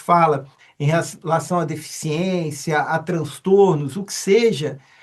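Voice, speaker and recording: Against noticeable background noise, a man speaks at a fairly slow pace with a high pitch and ordinary variation. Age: 50s. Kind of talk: casual interview chat.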